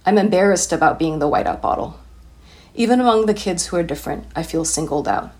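Woman, Cantonese first language, low voice, measured reflective essay reading. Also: lively intonation, darkish tone. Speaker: journalist reading her own essay. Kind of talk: reading a personal essay aloud.

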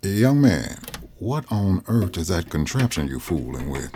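A man's voice: deep voice, sing-song, measured pace, noisy background. A wary old veteran grandfather. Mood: guarded. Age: older. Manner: wary, folksy, drawling. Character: elderly male former slave and Union veteran, guarded, wry. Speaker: interviewee.

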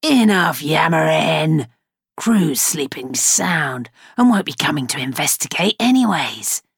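A woman voicing a crude, gruff male pirate sailor with rough, ungrammatical talk. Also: low-pitched, sing-song, measured pace, dry recording, clean studio sound, exaggerated voice.

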